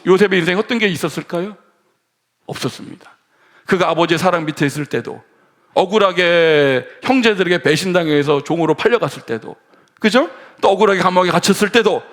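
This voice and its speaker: A man preaching a sermon, his voice pitched high and swinging widely up and down. He keeps asking the congregation questions. Now and then he slows and drops his voice to act out imagined speech. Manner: voices imagined dialogue in a hushed, slowed tone. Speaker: pastor.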